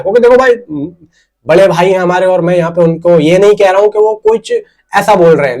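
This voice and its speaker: A man's voice: high-pitched, a little mellow. A man giving casual, unscripted film-news commentary to viewers, conversational and emphatic, often repeating and rephrasing his points.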